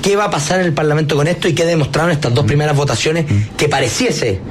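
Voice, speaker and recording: Fast-talking Chilean radio host. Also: male voice, fairly high pitch, soft background music. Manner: rapid, emphatic, with restarts. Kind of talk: political talk show discussion.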